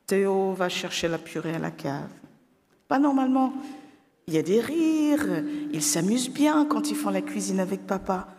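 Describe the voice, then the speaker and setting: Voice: medium pitch, lively intonation, moderate pace, darkish tone, slight background noise. A storyteller telling a Christian children's story, hesitant and full of fillers. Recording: long hall reverb.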